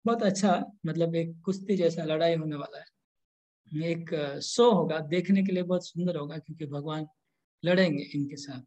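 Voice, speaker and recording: A man giving a scripture lecture, explaining slowly in short pieces with restarts, and chanting verses. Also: fairly high pitch, a little mellow, rough recording. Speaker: spiritual lecturer.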